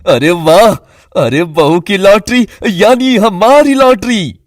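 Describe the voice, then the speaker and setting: A wisecracking, easygoing father-in-law in a family cartoon, teasing his wife in a lively, slightly high voice, as a man acts him. The sound is dry and close. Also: slow, dry recording. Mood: joking. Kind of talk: animated cartoon voice acting.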